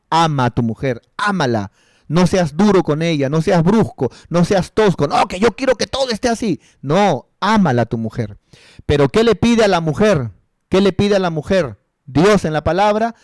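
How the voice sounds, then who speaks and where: A man's voice: fairly high pitch, lively intonation, normal speed, a little mellow, dry recording, clean studio sound. A male pastor giving a counseling sermon, repeating rhetorical questions and calling his listeners brother and sister.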